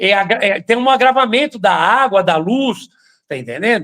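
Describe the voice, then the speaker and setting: Bright and sharp in tone, a man's high-pitched voice carries lively intonation. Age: 60s. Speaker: political candidate. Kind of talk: interview. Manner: hesitant, repeated fillers.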